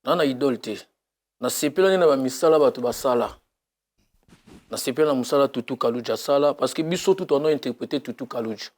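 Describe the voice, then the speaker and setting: A man from Kinshasa, a music animateur talking casually in an interview, mixing Lingala and French in a lively way. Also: medium pitch, quick pace. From Congo (Kinshasa). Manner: mixes Lingala and French, lively, bursts into chanted cries.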